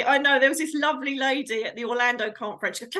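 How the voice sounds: A woman's raised, projected, high voice with a British accent, very fast and fairly even in intonation, with big swings in loudness and noticeable background noise.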